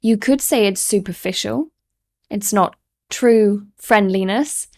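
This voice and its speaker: A young woman with a British accent gives an online English lesson straight to camera. She explains in a clear, conversational way, close to a studio microphone in a small room. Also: mid-range voice, takes it slowly, darkish tone. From United Kingdom. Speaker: English teacher. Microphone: studio microphone in front.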